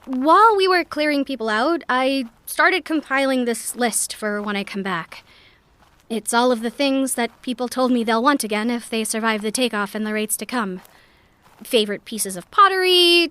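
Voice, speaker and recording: Woman acting musing, high-voiced scavenger in sci-fi drama. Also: fairly bright tone, natural voice. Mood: wistful, resolved. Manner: musing, conversational, spoken as a recorded message. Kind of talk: sci-fi audio drama monologue.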